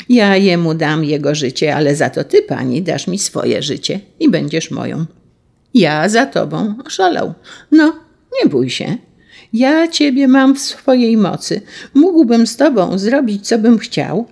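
A woman's voice: sits low, vocal fry, a little mellow, husky, full character voice. A woman voicing a sweet-voiced, menacing male tsarist general who speaks with a drawling, sing-song delivery.

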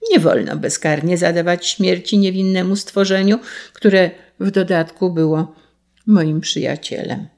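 Woman doing a stern little revenge-bent sparrow, high and declaiming, slow, gravelly edge, storybook. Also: steady tone, darkish tone. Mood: vengeful. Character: small vengeful male sparrow, righteous and stern.

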